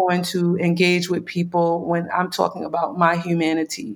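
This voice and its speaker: Speaking with an American accent, a woman has a fairly low pitch. Her pace is moderate. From northern US, family from the South. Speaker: rapper and hip hop archivist. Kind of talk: interview conversation.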